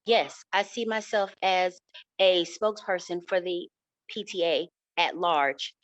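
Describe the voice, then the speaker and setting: A woman answering candidate questions in a formal, measured way, repeating set phrases. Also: on the low side, no echo, dull audio. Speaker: board candidate.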